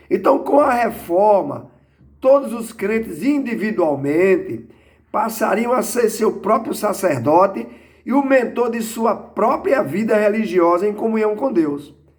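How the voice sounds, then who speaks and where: Audible room echo surrounds a man with a high pitch. He speaks at a fairly slow pace with lively intonation. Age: 60s. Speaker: pastor. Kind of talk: sermon.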